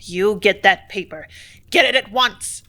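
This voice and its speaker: A woman's voice: mid-range voice, fairly quick, pushed and bright, natural voice. A woman reading the part of a brusque, blustering male factory superintendent who snaps and roars at his clerk. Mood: angry. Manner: snapping, roaring, bullying.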